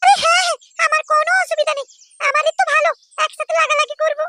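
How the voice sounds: A woman's squeaky, cartoonish character voice at an extremely high pitch, at a fairly quick pace. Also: lively intonation.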